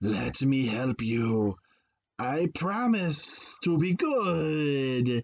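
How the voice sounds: In a put-on character voice pitched low to middle, the speaker goes at a very slow pace.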